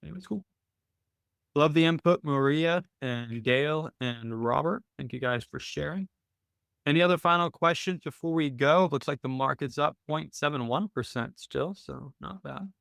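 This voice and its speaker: A man's voice: on the high side, moderate pace, creaky, a bit bright, no echo. A man hosting a weekly live call, talking casually and thinking aloud with frequent "right?" tags and small restarts, close to his mic. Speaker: host of a weekly trading call.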